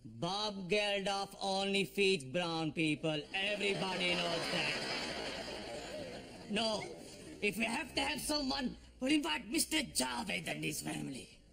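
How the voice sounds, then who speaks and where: A pompous, penny-pinching father in a sitcom. His voice sits high and swoops widely as he blusters. He takes his time over every indignant word. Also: expressive, unhurried, vocal fry, very noisy, exaggerated voice. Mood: blustering. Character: pompous stingy middle-aged Pakistani father. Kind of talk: sitcom acting.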